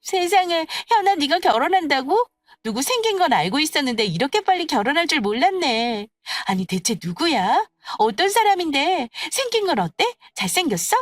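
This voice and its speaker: A woman voicing excitable, gossipy young female friends in an audio story, exclaiming in a blunt, nosy way. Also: high-pitched, moderate pace, no room sound, clean studio sound, voice pushed up. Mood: astonished, curious. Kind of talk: acted dialogue in an audio story.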